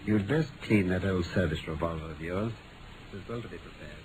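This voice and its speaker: An actor playing a brisk, commanding, shrewd detective with a British accent and crisp, theatrical delivery in an old radio drama. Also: male voice, deep voice, a crowd in the background, natural voice, rough recording. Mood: genial, confiding. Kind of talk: 1940s-50s radio drama acting.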